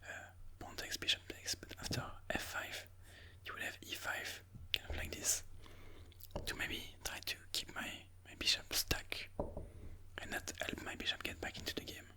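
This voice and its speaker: A person whispering ASMR game commentary in a breathy, mostly unvoiced voice, slowly and soothingly thinking aloud. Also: bright, forceful tone. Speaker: ASMR chess video host.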